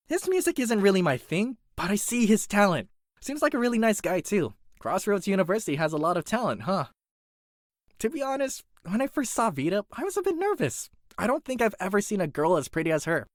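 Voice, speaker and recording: A performer voicing an earnest, dutiful young blacksmith's apprentice and student in an animated character reel, conversational and expressive. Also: medium pitch, no room sound, clean studio sound, lightly acted.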